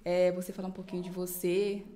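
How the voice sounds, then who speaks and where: A woman's voice: on the low side, completely flat delivery, brisk, warm tone. A woman with a Brazilian Portuguese accent from Minas Gerais, a podcast co-host chatting casually and joking.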